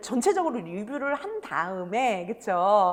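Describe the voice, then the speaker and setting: A woman speaks in a high voice with very wide pitch swings, and there is noticeable background noise. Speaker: exam prep lecturer. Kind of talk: online lecture. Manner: fast.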